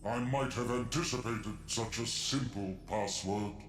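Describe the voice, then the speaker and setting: An actor playing a cold, domineering computer villain in a video game, speaking in a deliberate, formal, menacing way. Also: male voice, on the low side, music in the background, natural voice. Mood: smug menace. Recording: echoing game audio.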